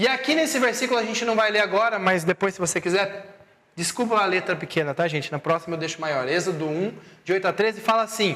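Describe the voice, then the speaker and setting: A man talks at a very fast pace in a raised, projected voice, his high pitch and animated tone cutting through noticeable background noise. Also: lively intonation. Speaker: Bible teacher. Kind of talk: lecture. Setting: church garage classroom.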